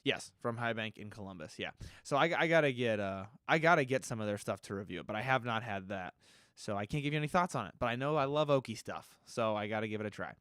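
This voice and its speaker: A man's voice: fairly low pitch, animated, fast, fairly bright tone, smooth, no room sound, clean studio sound. A man hosting a solo podcast, answering listener questions in a loose, rambling way and often correcting himself, his nose a little stuffy. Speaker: podcast host.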